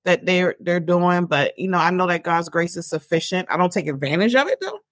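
A woman's voice: on the low side, expressive, a little fast, a bit bright, dry recording, studio quality. A woman in her forties from Baltimore, a guest talking candidly about her faith, joking and laughing easily. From Baltimore, Maryland. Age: 40s. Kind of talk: casual interview.

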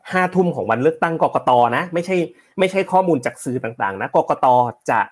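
A man's voice: a little high, very animated, fairly quick. Man, live-stream host, casual chat, rambling, slightly breathless. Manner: chatty, rambling, reads headlines aloud and explains them. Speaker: host of a stock market live show.

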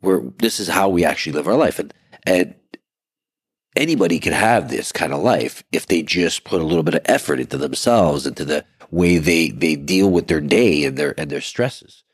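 A congested man in his forties co-hosting a casual couple's podcast, energetic and restarting words as he goes. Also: low-pitched, normal speed, husky, no room sound, studio quality. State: congested, stuffed-up voice. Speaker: podcast co-host.

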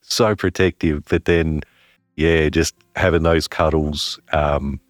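A man with a very deep, resonant voice reflects on becoming a father. He talks in a halting, thoughtful way, pausing and restarting as he works out what he means. The sound is close and dry. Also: fairly even intonation, dry recording, soft background music. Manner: thoughtful, halting, searching for words. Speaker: father interviewed about parenthood. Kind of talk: reflective interview conversation.

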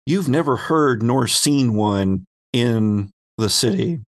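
A man acting as game master, narrating an improvised tabletop game descriptively and pausing to find his words. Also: mid-range voice, lively intonation, dry recording.

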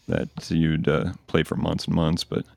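A podcast host with an extremely low, gravelly, darkish voice speaks in a monotone at an unhurried pace. He chats casually and enthusiastically about games he recommends. The sound is clean studio audio with no echo.

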